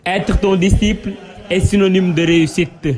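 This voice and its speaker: A man's voice: high voice, little pitch movement, normal speed, a little mellow. A man reciting a devotional poem in a solemn, emphatic, rhythmic and exalted declamation. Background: music under the voice.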